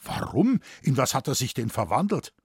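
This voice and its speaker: A mild middle-aged forestry manager, as a male narrator puts him on. He sounds husky and close, asking things in a plain, wondering way. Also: medium pitch, very animated, normal speed, no room sound, heavily acted. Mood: puzzled.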